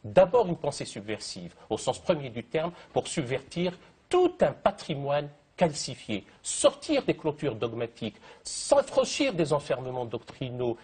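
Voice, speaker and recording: A man's voice: mid-range voice, big pitch swings, a little slow, a little mellow, slightly rough. A man speaking as a guest in a televised debate, eloquent and fond of long, elaborate phrasing. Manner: eloquent, elaborate vocabulary, piles up synonyms.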